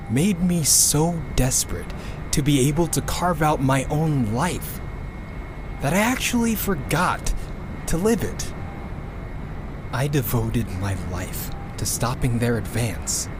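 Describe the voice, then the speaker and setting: An actor playing a weary, defiant rebel in an audio drama, musing haltingly and wryly into a log. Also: male voice, medium pitch, noisy background. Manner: halting, reflective, wry, sighing.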